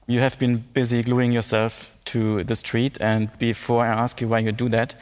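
Low-voiced male panel moderator. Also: long reverb tail. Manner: measured, asks guests questions. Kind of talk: panel discussion.

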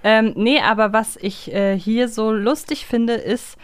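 A woman's voice: fairly high pitch, a little slow, smooth, no echo, clean studio sound. A young adult woman co-hosting a podcast in a casual, reflective, conversational way. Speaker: podcast co-host. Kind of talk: casual fan podcast chat.

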